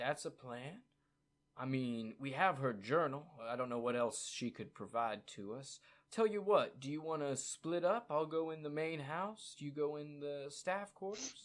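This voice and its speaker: Using a gruff, put-on character voice, a man speaks at a moderate pace. His pitch is fairly high, with lively intonation. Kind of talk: noir detective. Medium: actual play. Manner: gruff, blunt, offhand.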